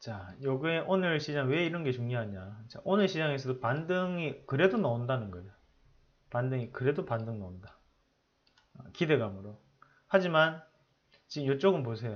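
Speaking at a moderate pace with long, frequent pauses, a man shows very wide pitch swings and big swings in loudness. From South Korea. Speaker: stock market analyst. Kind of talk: market commentary video. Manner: hesitant with frequent fillers. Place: office. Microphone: lapel.

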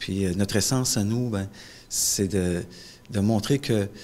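Using ordinary pitch variation, a man talks at a moderate pace. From Schefferville, northern Quebec; Quebec. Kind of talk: interview. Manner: hesitant, repeats words. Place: hall. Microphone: handheld.

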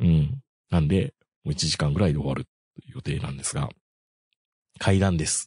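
Using a very deep, low pitch with vocal fry and lively intonation, a man speaks at a moderate pace with long, frequent pauses, the sound dry with no echo and the background quiet. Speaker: podcast host. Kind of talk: casual chat. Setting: campsite by a lake at night. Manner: hushed, quiet tone for campsite quiet hours. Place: tent.

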